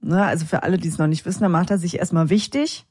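Wry low-voiced woman co-host. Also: fast, darkish tone, husky, no echo, studio quality. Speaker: podcast co-host. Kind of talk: casual political chat.

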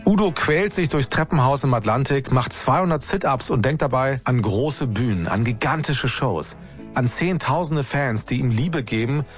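A man narrating a documentary podcast in a calm, scripted storytelling manner with a lightly wry tone. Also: mid-range voice, moderate pace, soft background music.

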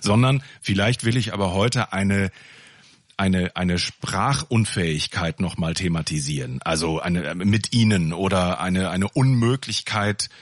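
A man's voice: low-pitched, unhurried, no room sound, studio quality. A man in a reflective discussion, speaking thoughtfully and searching for his words.

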